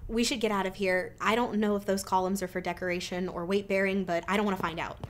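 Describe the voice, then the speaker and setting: A woman's voice: medium pitch, level tone, fast talker, slight background noise, close to an everyday voice. A woman playing an anxious small-town local, worried and urgent, in an audio drama.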